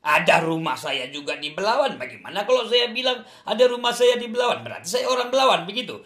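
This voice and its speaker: An earnest man with an Acehnese accent gives his testimony in a relaxed interview, stressing each point and coming back to it again and again. His voice sits somewhat high for a man and rings out in an echoey room. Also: fast. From Aceh, Indonesia. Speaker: guest testifying about his faith.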